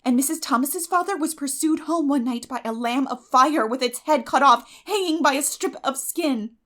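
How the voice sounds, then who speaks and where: A woman's voice: high-pitched, normal speed, a bit bright, pitched above the performer's own voice. A woman voicing a terrified, imaginative little girl in a dramatic audiobook, breathless and melodramatic, with gasps and whispers. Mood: eager insistence. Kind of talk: dramatic audiobook character acting.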